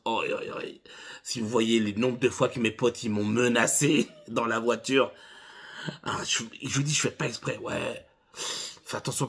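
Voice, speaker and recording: Man, thirties, driving instructor, casual storytelling, bright tone, slightly husky. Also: medium pitch. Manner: animated anecdotes addressed to viewers as 'les gars'.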